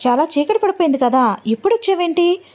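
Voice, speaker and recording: A woman's voice: extremely high pitch, very animated, fast talker, a little mellow, lo-fi sound, voice pushed up. A woman voicing a wry, teasing middle-aged aunt.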